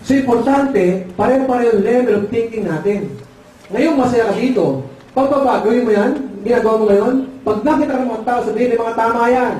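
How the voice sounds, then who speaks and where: A man giving an energetic motivational seminar talk with jokes, leading his audience in chants. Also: very high-pitched, brisk. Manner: energetic, leads call-and-response chants. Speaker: seminar speaker. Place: large hall with live audience. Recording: echoey hall, far mic, crowd noise.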